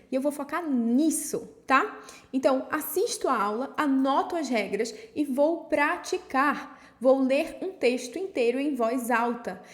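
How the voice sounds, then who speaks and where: A woman teaching a language lesson in a casual spoken style, checking in often with "tá?" and "ok?" and reading example phrases slowly and carefully. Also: high-pitched. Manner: explains with many "tá?" and "ok?" check-ins, reads Spanish slowly and carefully. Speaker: Spanish teacher.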